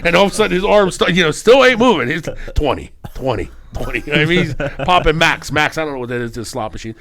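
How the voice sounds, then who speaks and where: A man on a podcast telling a long, animated story, acting out what people said and leaning on "you know what I mean". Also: a little high, fast. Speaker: podcast co-host. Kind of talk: casual storytelling chat.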